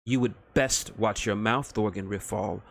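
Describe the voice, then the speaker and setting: A man's voice: fairly low pitch, a little slow, vocal fry. A man voicing a cold, formal elven woman sniper who speaks in a clipped, precise way. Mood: icy.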